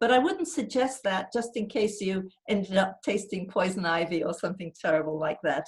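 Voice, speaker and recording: A somewhat breathy voice comes through. It belongs to a woman. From England. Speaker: naturalist. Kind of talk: online presentation.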